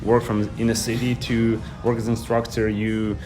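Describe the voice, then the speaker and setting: Halting male interviewer. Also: mid-range voice, completely flat delivery, music in the background. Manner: halting, searching for words. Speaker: vlogger, interviewer. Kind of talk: vlog interview.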